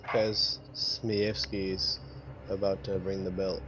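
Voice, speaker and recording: A man's voice: low voice, little pitch movement, takes it slowly, a bit bright. A man playing a tabletop roleplaying game, chatting casually with hesitant, hedging phrasing. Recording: dull lo-fi mic, background noise.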